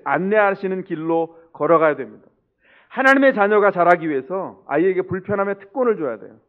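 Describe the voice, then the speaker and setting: A middle-aged man preaching a sermon as pastor, putting rhetorical questions to the congregation and acting out the people in his stories. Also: on the high side. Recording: tinny, narrow-band lo-fi sound.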